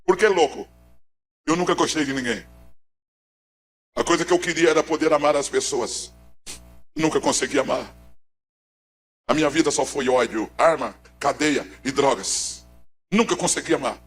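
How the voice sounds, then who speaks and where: A Pernambucan man preaching his own testimony, his voice a touch high for a man. He swings from quiet, low passages to shouted peaks, with faint music under him. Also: moderate pace. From Pernambuco, Brazil. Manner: dramatic, swings from hushed to shouting. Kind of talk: emotional church testimony.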